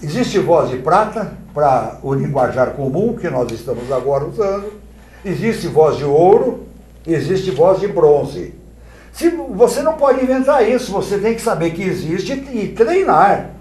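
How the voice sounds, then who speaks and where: An expressive man from Brazil, a talk show guest, showing off kinds of speaking voice. His pitch sits a little high and swings widely, and a roomy studio echo hangs on his words. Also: unhurried, slight background noise. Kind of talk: oratory demonstration on a TV talk show.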